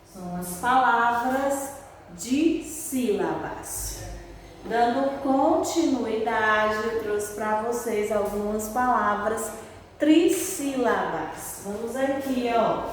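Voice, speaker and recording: Slow, patient woman teacher in an echoey room. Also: a little high. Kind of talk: recorded grammar lesson for pupils. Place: room with a board she writes on and erases. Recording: very echoey, long reverb, far from the mic, faint hiss.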